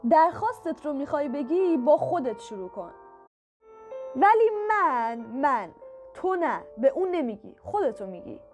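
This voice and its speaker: A woman teaching how to ask for things calmly, patiently repeating each step with examples. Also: sits high, hardly any pauses, soft background music. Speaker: communication skills teacher. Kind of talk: instructional talk to camera.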